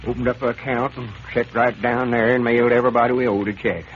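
An actor playing a self-assured old country storekeeper who patiently explains things in a drawling rural dialect, in a 1930s radio comedy. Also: male voice, mid-range voice, little pitch movement, quick pace, lightly acted. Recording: old lo-fi radio transcription with hiss.

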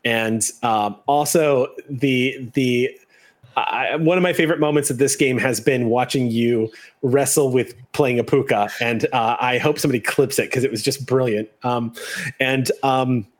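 A man's voice: medium pitch, normal speed. A man speaking as game master, chatting casually and praising his players effusively as he wraps up a tabletop game. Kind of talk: casual wrap-up talk after a tabletop game.

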